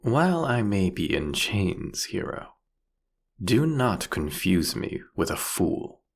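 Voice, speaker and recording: Man voicing a deep, gravelly, mocking vampire king. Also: big pitch swings, exaggerated voice. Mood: knowing, menacing. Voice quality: husky, gravelly. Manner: theatrical, mocking, drawn-out, teasing phrasing. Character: captured vampire king, male, sardonic, taunting, silkily menacing. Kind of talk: scripted audio roleplay monologue addressed to the listener.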